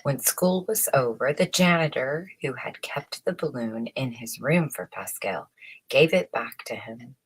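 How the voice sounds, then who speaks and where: Woman, storybook narrator: low, unhurried, slightly rough voice, expressive phrasing in short stretches. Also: low-quality recording. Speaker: storyteller reading a children's book aloud.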